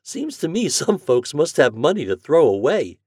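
A man's voice: on the high side, big pitch swings, moderate pace, darkish tone, husky, no echo, clean studio sound, voice pushed up, exaggerated voice. A man voicing an old-fashioned, thrifty farm mother in a storybook, speaking in rustic country dialect. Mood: surprised, doubtful. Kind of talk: storybook character voice.

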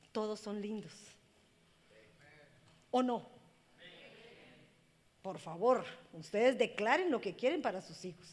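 A woman pastor, preaching a sermon with impassioned swings between loud cries and hushed speech. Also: a little high. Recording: long hall reverb.

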